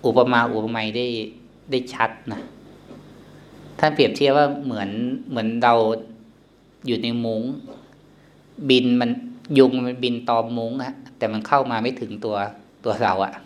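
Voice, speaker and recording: A Thai monk leads a meditation retreat in a gentle, unhurried voice at a middle pitch. He pauses often, fills the gaps with soft murmurs and lets out a quiet chuckle between points. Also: steady tone. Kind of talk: dharma talk at a meditation retreat.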